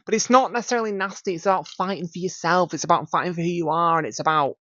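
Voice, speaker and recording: A man's voice: sits high, fast, fairly bright tone, no echo. A young adult man with a Northern English accent co-hosting a podcast, blunt, opinionated and teasing. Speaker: podcast co-host. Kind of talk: casual chat. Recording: dry, slightly dull podcast mic.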